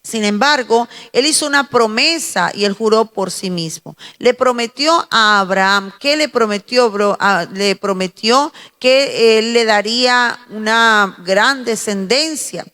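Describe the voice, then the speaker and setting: A woman's voice: on the high side, bright, forceful tone. Woman preaching in a reverberant hall. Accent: Spanish (Spain). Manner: slow, emphatic preaching with pauses and repetition. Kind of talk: morning devotional sermon.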